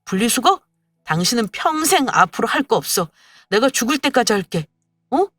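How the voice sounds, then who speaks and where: A woman's voice: a little high, expressive, normal speed, a bit bright, dry recording, clean studio sound, voice pushed up. A woman voicing a young husband who argues defensively and pleads with his wife in a storybook radio drama. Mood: pleading.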